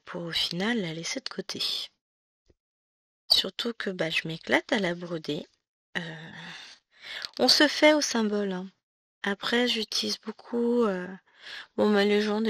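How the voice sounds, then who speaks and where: A woman's voice: medium pitch, creaky, bright, forceful tone, no room sound, clean studio sound. A woman hosting a cross-stitch vlog, chatting casually and rambling with lots of fillers while she stitches. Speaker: cross-stitch channel host.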